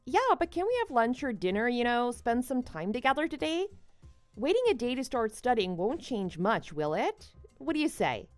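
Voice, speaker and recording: A woman playing a devoted but slightly needy wife in a scripted online story drama, speaking in an expressive, conversational way. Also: on the high side, moderate pace, faint music behind. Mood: pleading.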